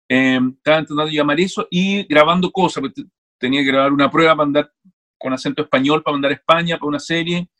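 A Chilean man with a somewhat high voice talks casually as an interview guest. He is animated and digressive. He restarts sentences often as his thoughts run ahead. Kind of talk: casual conversation.

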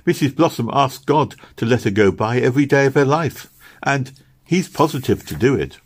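Storybook little girl, male reader: raised pitch, earnest, caring, childlike insistence. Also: expressive, moderate pace, close to an everyday voice. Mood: hopeful. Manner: simple, childlike, insistent speech.

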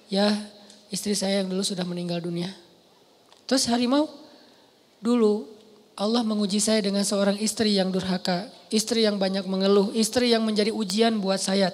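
An Indonesian-accented man preaching a sermon to a mosque audience, telling stories with lively asides. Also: sits high. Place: large mosque hall. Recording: long hall reverb.

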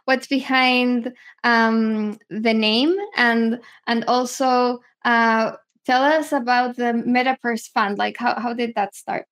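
A woman's voice: fairly high pitch, steady tone, takes it slowly, a bit bright. A woman hosting a podcast interview, framing long questions with many fillers.

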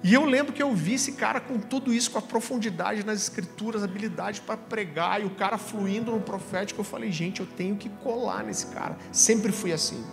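Brazilian pastor guy preaching, lively slangy storytelling, kinda high voice, long church echo and soft music under it. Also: brisk, gravelly, few pauses. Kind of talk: sermon. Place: church hall. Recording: music under voice in a reverberant hall.

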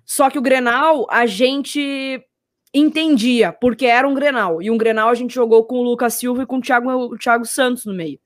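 Lady doing sports commentary, high voice, really dry sound, hammers her points. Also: normal speed, dry recording. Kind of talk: opinionated sports debate.

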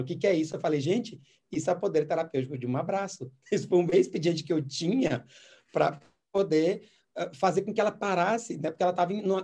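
A man's voice: high-pitched, darkish tone. A man working as a doctor, telling a patient's story in casual conversation and acting out the dialogue. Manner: recounts cases and acts out the dialogue.

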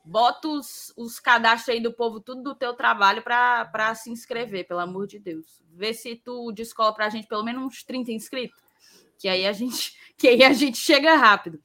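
A bright, fairly high-voiced woman with a Northeastern Brazilian accent from Ceará hosts an informal live chat. Her s sounds carry a slight tongue-tied lisp. She reads out messages casually and repeats phrases to stress them. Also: normal speed. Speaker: host.

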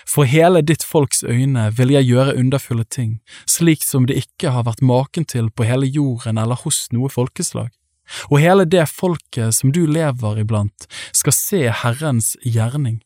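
A man's voice: medium pitch, no echo. Man reading scripture, dry close sound. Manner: measured, even reading with slowed emphasis on solemn phrases. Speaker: Bible reader.

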